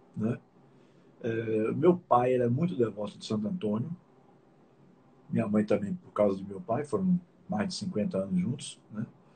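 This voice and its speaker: A man's somewhat breathy voice, dark and mellow in tone, moves through very wide pitch swings. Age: 60s. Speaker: radio broadcaster. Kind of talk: interview conversation. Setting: live video stream. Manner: halting, many repeated fillers.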